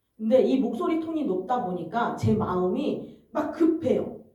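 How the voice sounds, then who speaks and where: Amid audible room echo, a woman's fairly high voice moves in very wide pitch swings. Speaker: preacher (evangelist). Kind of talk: sermon. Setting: church.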